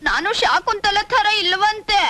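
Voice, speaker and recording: A woman's voice: extremely high pitch, unhurried, pushed and bright, a little hiss or hum, full character voice. An actress playing a naive young village girl who talks in a childlike, pleading way. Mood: earnest.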